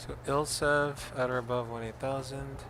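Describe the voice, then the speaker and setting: A man's voice: medium pitch, normal speed, noisy background. A man chatting casually on a flight simulator stream and making pilot radio calls. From Philippines. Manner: switches between Filipino and English, relaxed chatty, reads radio calls.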